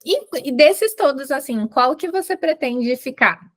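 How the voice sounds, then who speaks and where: Woman, somewhat high voice, enthusiastic, exclamatory, interview host. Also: lively intonation, a little slow. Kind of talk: casual interview.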